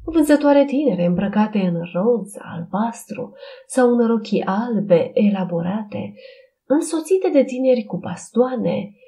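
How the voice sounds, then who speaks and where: A woman narrating a Christian audiobook in a steady, expressive reading style. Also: fairly high pitch.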